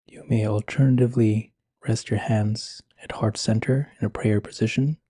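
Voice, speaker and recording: A man speaking slowly and gently with long pauses, guiding a meditation in a soft, breathy voice. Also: fairly low pitch, fairly even intonation, no room sound, clean studio sound. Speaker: meditation guide. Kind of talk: guided meditation.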